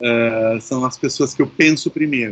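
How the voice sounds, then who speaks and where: A man speaks at a fairly slow pace with fairly even intonation. He has an unremarkable speaking voice. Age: 60s. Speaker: actor and theatre director. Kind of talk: interview.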